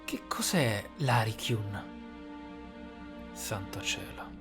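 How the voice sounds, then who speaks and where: A man's voice: lowish voice, big pitch swings, slow pace. A man giving theatrical, exclamatory gameplay commentary as a streamer. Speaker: gaming streamer. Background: game music.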